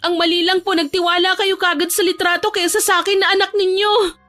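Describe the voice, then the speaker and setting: A woman voicing a quiet young daughter who pleads respectfully with her angry father, over faint music. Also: extremely high pitch, level tone, a little fast, no echo, pitched above the performer's own voice. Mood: pleading.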